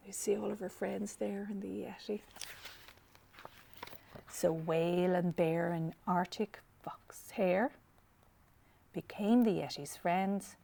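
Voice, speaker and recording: A woman's voice: lowish voice, gravelly, mellow, a little hiss or hum. A woman reading a children's picture book aloud expressively, with asides to young listeners. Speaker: library storyteller.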